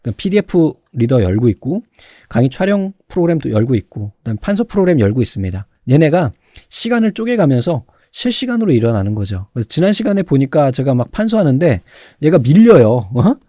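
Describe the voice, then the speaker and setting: A man's voice: a little high, very animated, fast, warm tone, no echo, studio quality. A man giving an informal exam lecture, explaining conversationally and often answering his own questions. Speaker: online computer certification lecturer.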